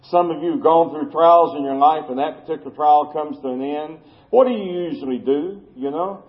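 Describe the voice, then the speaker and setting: High-voiced man preaching a folksy sermon. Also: moderate pace, lo-fi sound. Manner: folksy, conversational preaching with asides. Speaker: pastor.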